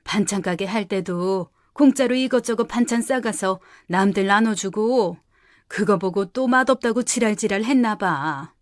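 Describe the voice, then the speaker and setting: A woman's voice: mid-range voice, moderate pace, no room sound, clean studio sound, close to an everyday voice. A woman playing an older aunt who grumbles and scolds bluntly and coarsely. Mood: indignant.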